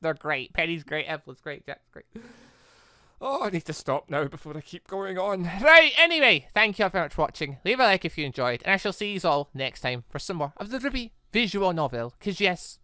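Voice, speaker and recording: Animated male gamer with a bright voice. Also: on the high side, no echo, clean studio sound. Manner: rambling, excitable, animated. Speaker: gaming video host. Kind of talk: casual let's play commentary.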